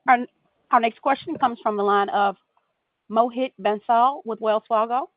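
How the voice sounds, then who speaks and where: A woman's voice: on the high side, normal speed, no room sound. A woman working as a conference call operator, making formulaic scripted announcements. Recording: dry, narrow phone line.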